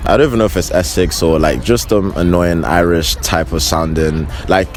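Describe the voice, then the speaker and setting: Very deep-voiced blunt man. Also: steady tone, moderate pace, faint music behind. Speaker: street interviewee. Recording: street noise.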